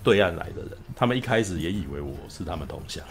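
A man's voice: low-pitched, lively intonation, quick pace, faint music behind. A man with a Taiwanese accent hosting a casual interview chat. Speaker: interview host.

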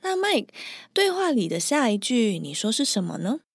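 A woman's voice: a little high, sing-song, moderate pace, breathy edge, no echo, clean studio sound. Chatty woman co-hosting a lesson. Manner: chatty, agreeable. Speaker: podcast co-host and teacher. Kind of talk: podcast language lesson.

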